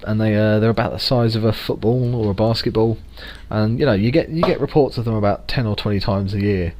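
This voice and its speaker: A man's voice: on the low side, a little fast, darkish tone. A young man with a London accent, co-hosting a podcast in loose, jokey chat full of fillers. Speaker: podcast co-host. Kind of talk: casual chat.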